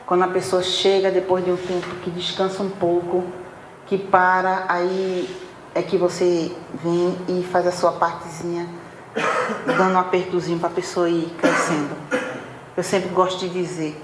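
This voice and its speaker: A woman giving a spiritual talk at a spiritist center, chatty and animated as she acts out everyday scenes. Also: on the low side, measured pace. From Northeast Brazil. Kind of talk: spiritual talk to a live audience. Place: meeting hall of a spiritist center. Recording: roomy hall, faint background noise.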